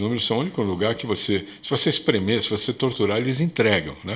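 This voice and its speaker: Fairly low in pitch, this man has an unremarkable speaking voice. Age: 60s. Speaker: finance executive. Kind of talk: interview.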